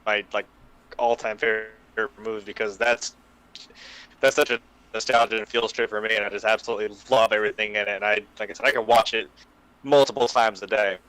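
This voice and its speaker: A man's voice: fairly low pitch, fairly even intonation, a little fast, a bit bright, clear, resonant tone, low-quality recording. A man on a podcast panel chatting casually and enthusiastically as a fan, often saying "like". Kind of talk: casual chat.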